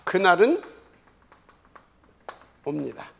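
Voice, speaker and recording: A male pastor preaching a sermon in a high voice with a gravelly edge. He hammers his points home emphatically and then sinks into hushed, repeated phrases. The sound is that of a church service. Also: huge pitch swings, very slow. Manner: emphatic preaching, sudden drops to whispered repetition. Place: church sanctuary.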